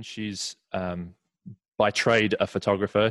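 A man's fairly low voice in an Essex accent with ordinary pitch variation, on a very clean recording with a silent background and a dry, close sound with no echo. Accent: southern English (Essex). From Essex, England. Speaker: podcast production consultant. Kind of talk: casual interview chat.

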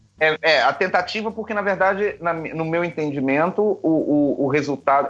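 A man with an unremarkable speaking voice and a fairly high pitch, against a quiet background. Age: 40s. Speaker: design lecturer. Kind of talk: casual chat.

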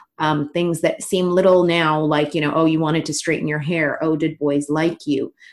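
This woman has an ordinary speaking voice and a fairly low pitch. She speaks at a moderate pace. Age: 30s. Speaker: podcast host and medical doctor. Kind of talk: interview.

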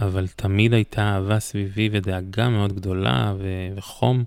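This man has a plain, everyday voice, fairly low in pitch, speaking at a moderate pace with fairly even intonation. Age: 30s. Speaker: family counselor and parenting coach, podcast co-host. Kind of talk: casual chat. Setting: home at night.

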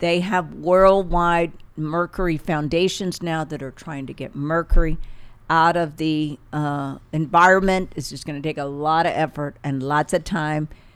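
A woman speaks at a fairly slow pace in a very deep, low pitch, with fairly even intonation and big swings in loudness, on a very clean recording with a silent background. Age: 60s. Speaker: integrative medicine doctor. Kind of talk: interview.

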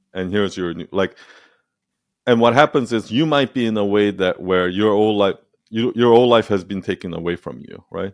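A man's ordinary speaking voice, fairly low in pitch with ordinary variation, at a moderate pace with big swings in loudness. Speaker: podcast host and marketing coach. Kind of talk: coaching conversation.

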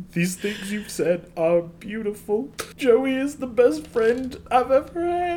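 Using a put-on character voice, a woman speaks at a fairly high pitch with very wide pitch swings, and clear background noise is present. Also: fairly slow pace.

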